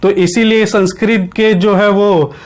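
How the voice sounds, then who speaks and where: A man with a high-pitched voice delivers an online grammar lecture. He keeps asking the class questions and answering them himself, and he drills each point with short confirming checks. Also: steady tone, a little slow. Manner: repeats key points with frequent checks. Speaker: Hindi grammar teacher. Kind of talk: online exam-prep lecture.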